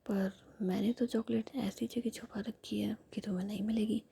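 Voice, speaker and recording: A woman's voice: mid-range voice, flat delivery, normal speed, gravelly, dark tone, husky. Woman whispering as a coaxing, dramatic young woman. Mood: playful. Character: affectionate, dramatic young woman, tired and pleading.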